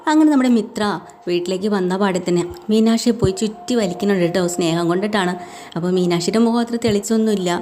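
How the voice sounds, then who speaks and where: Woman, serial recap narrator: brisk and chatty, mellow tone, faint noise behind. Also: medium pitch. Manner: chatty, tags lines with "keto", quotes characters dramatically. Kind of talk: retelling a TV serial episode.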